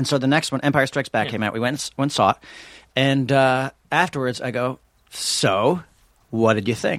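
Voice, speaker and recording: On a very clean recording with a silent background, a man with an American accent speaks at a fairly quick pace and medium pitch in an unremarkable speaking voice with ordinary pitch variation. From New York. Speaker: comedian and podcast co-host. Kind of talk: casual chat.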